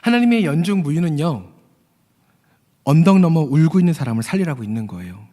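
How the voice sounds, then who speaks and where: Male preacher, earnest sermon delivery, warm husky voice with lively pitch, long church-hall reverb. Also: brisk. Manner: earnest, tells a story with quoted voices, addresses listeners.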